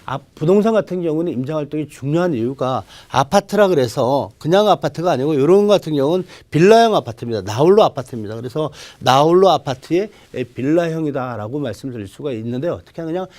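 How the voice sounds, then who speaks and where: Mellow, higher-voiced man giving expert advice. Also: lively intonation. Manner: halting explanation with repeated phrases and polite formal endings. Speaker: real estate expert on a TV advice show. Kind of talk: unscripted expert consultation.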